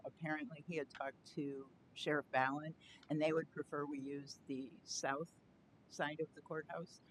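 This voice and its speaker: A woman activist addressing a county board at a podium, earnest and chatty, speaking loudly. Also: low-pitched, noisy background. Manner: earnest, chatty, self-aware of loud voice. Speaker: activist presenting a request. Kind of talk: public comment at a county meeting. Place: county board meeting chamber.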